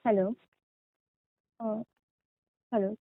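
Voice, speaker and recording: A woman calling in over the phone to ask questions on a conference call. Her voice comes through faint and feeble, and she speaks hesitantly with many filler pauses. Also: medium pitch, fairly even intonation. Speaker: caller asking questions on an earnings call. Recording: tinny dry phone line.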